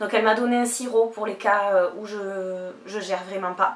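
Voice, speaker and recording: A woman talks at a fairly slow pace, with noticeable background noise and audible room echo around her. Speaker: YouTuber. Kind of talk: vlog. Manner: hesitant, many fillers.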